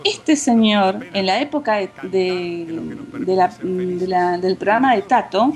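A woman's voice: mid-range voice, lively intonation, takes it slowly, darkish tone. A woman with an Argentine Spanish accent, co-hosting a casual chat and telling anecdotes with many hesitant restarts. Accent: Rioplatense Spanish. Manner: storytelling, hesitant with fillers and restarts. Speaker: co-host.

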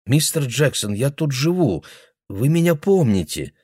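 A man's voice: medium pitch, very animated, measured pace, mellow, breathy edge, no room sound, studio quality, pitched above the performer's own voice. A man doing a frightened pleading young woman. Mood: nervous.

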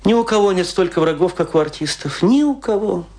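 A man voices a boastful, aggrieved provincial stage player who's had a few drinks, giving a theatrical radio play monologue full of grandiose self-pity and dramatic pauses. His high voice is expressive and a little mellow.

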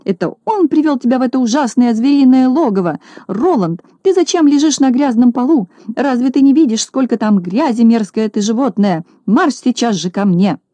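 A woman's voice: fairly high pitch, animated, measured pace, hardly any pauses, dark tone, no echo, pitched above the performer's own voice. A woman voicing a fussy, hysterical rich lady in a storybook reading, shrieking and scolding. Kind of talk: audiobook character voice.

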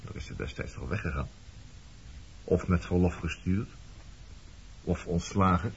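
Radio drama casting: weathered sailor nearing forty, low voice, blunt and probing, on a muffled recording. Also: male voice, measured pace. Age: late 30s. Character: weathered roaming sailor nearing forty, blunt, nosy, nonchalant old flame. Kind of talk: Dutch radio play dialogue. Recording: dull lo-fi radio recording, clear noise.

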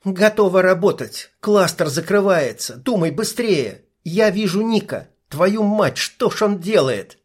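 A man's voice: high-pitched, animated, unhurried, hardly any pauses, slightly rough, voice pushed up, exaggerated voice. A male reader voicing a tough young female sniper who talks in blunt, clipped lines and swears. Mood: tense.

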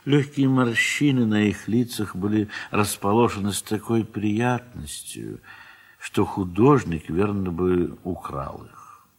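A man narrates a classic radio play, unhurried and husky, with a slightly low voice. His reading is measured and wistful, and phrases trail off softly at the ends.

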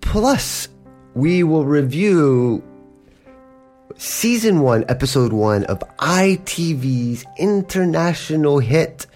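A man's voice: a little high, animated, slow pace, a little mellow, soft background music. A man hosting a podcast that teaches English, explaining words patiently in a casual way and acting out little example quotes. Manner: gives examples in playful put-on quotes.

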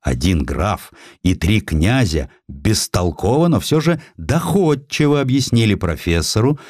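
A man narrating a historical literary essay in an expressive, theatrical way. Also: mid-range voice, no room sound, clean studio sound. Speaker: audiobook narrator.

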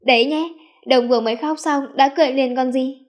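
Woman reading as a doting young pregnant woman, coaxing, affectionate, a bit high and lifted, storybook. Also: steady tone, normal speed, a little mellow, natural voice. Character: gentle playful pregnant young woman, doting older sister figure.

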